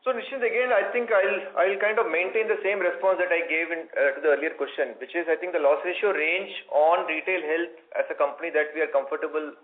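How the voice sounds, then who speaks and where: A man with an Indian accent speaks as a company executive on an earnings call. His voice sits a bit high, and he talks in measured corporate phrases. The audio is thin and phone-like. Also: a little hiss or hum. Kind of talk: earnings call question-and-answer. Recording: narrow tinny phone-line audio.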